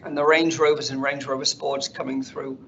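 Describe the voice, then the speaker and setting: A man speaking as a company finance executive, presenting slides on an earnings call in a measured corporate delivery. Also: medium pitch, level tone, bright, forceful tone. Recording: dull conference call audio, faint noise.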